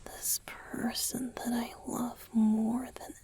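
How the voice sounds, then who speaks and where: Woman as a slow whispering vampire boyfriend. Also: on the high side, level tone, full character voice. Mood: tender, devoted. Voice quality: breathy, airy. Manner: slow, gentle, intimate. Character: tender romantic young male vampire boyfriend. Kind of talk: whispered ASMR roleplay.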